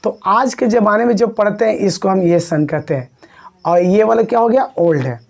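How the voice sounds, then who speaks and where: A male teacher gives an exam-prep video lecture. His voice is gravelly and mellow. He repeats key points and coaxes his students along. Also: sits high, moderate pace. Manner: coaxing, repetitive, addresses students as "babu". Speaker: English teacher.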